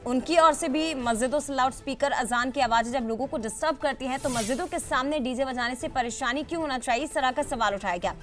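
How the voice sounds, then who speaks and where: A woman's voice: high voice, fast talker, few pauses, soft background music. A woman anchoring a TV news debate, putting pointed questions to guests.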